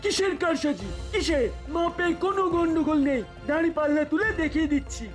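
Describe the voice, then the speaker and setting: Whining cartoon swindler, high voice, shifty, defensive repetitions, background music. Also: male voice, a little fast. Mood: defensive, flustered. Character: shifty, whining male market cheat selling cheese. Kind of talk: comic cartoon acting.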